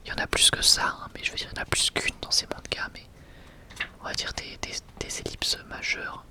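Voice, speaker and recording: Soft whispered ASMR voice. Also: fairly quick. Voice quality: soft, breathy unvoiced whisper. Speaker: ASMR video creator. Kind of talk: whispered ASMR manga showcase.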